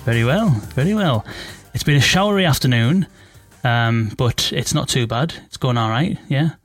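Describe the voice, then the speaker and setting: A man's voice: medium pitch, lively intonation, normal speed, no room sound, faint music behind. Chatty man hosting a podcast. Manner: chatty, laughs easily. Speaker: podcast host. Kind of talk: casual interview chat.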